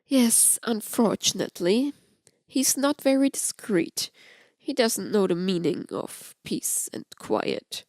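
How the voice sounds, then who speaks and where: A woman's voice: medium pitch, lively intonation, takes it slowly, darkish tone, no room sound. Woman voicing a sullen, sarcastic young man. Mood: sardonic. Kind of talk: fan fiction audiobook character voice.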